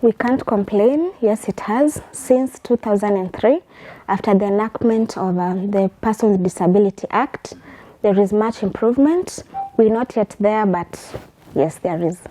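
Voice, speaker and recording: A young adult woman, a lawyer and advocate answering questions in a TV interview, explaining in a measured, earnest way. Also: mid-range voice, warm tone, poor audio. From Kenya.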